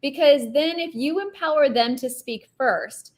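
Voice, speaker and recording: A woman film director with a light, higher-pitched voice, speaking earnestly and reflectively as an interview guest. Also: measured pace. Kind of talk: conversational interview.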